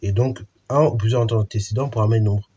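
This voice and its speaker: A man's voice: on the low side, fast talker, warm tone, highs cut off. A man teaching a math lesson in an informal way, with many fillers and restarts while he explains a theorem.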